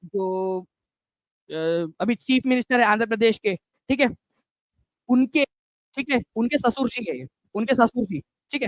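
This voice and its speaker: A man with a very high voice teaches an online exam-prep class, recorded close and dry with no room sound. He talks in a chatty way and keeps repeating key points and checking in with his students. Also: a bit bright, no echo. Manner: chatty, repeats key points with frequent "theek hai" and "friends".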